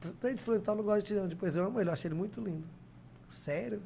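A man with a dark, mellow tone speaks at a very fast pace. Pitch variation is ordinary, and audible room echo surrounds him. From Teresina, Piauí, Brazil. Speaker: local personality, caregiver. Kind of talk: casual chat. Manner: animated.

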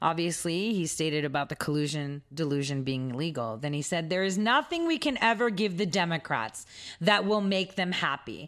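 A woman with a normal speaking voice, fairly low in pitch, talks at a moderate pace with lively intonation and hardly any pauses. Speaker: radio host. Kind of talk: talk radio monologue. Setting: radio studio. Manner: conversational, filler-heavy, opinionated.

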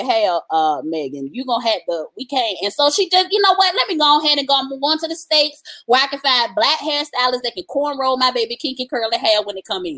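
Loud and animated, a woman talks at a fairly quick pace with a high pitch and very wide pitch swings. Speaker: podcast co-host. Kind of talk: casual chat, gossip. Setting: live video stream. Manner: loud, animated.

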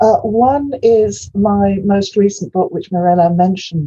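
In a Welsh accent, a woman speaks at a moderate pace with a dark, mellow, somewhat breathy tone. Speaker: scholar. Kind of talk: lecture.

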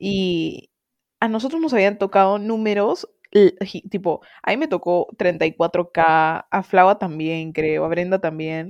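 A woman talks at a fairly slow pace with ordinary pitch variation in an ordinary speaking voice. The sound is dry and close with no echo, over a quiet background. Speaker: podcast co-host. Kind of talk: casual chat. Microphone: connection cutting out.

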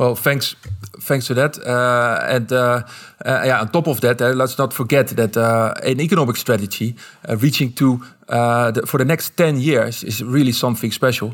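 A man in a plain, everyday voice speaks at a medium pitch and a moderate pace with fairly even intonation. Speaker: webinar moderator, investment promotion official. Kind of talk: webinar moderation. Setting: video call.

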